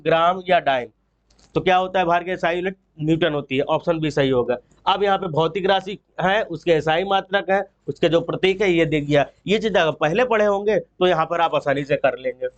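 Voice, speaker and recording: A man presenting an exam-prep book walkthrough in an informal, explanatory way, mixing in English terms. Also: a little high. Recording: dull, lo-fi sound.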